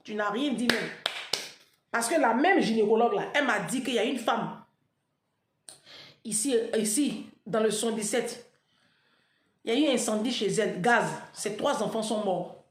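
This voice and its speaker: A woman's voice: on the high side, normal speed, long pauses. Emphatic woman in an echoey room. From Africa. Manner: emphatic, repetitive, rhetorical asides. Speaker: social media commentator. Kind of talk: casual monologue to followers. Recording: roomy echo.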